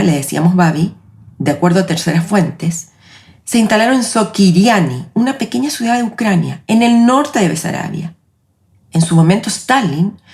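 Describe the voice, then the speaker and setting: A woman in her late forties with a Chilean accent, hosting her own podcast in a reflective, measured, personal narration. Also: mid-range voice, a little mellow. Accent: Chilean Spanish. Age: 40s. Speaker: podcast host.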